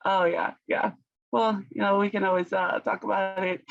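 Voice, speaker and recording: Non-native English-speaking woman, founder guest, measured and searching for words, dry dull sound. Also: mid-range voice, level tone, vocal fry, no room sound. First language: not English. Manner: thoughtful, searches for words, laughs often. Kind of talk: conversational business interview.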